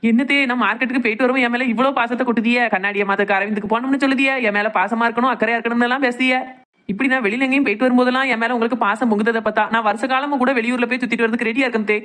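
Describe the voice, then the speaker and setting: A woman's voice: fairly high pitch, steady tone, rapid-fire, a bit bright, lightly acted. A woman voicing a cheeky, chatty young daughter-in-law in a cartoon comedy, teasing with mock innocence in a southern Tamil Nadu accent. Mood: mock-innocent. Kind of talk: cartoon comedy drama dialogue.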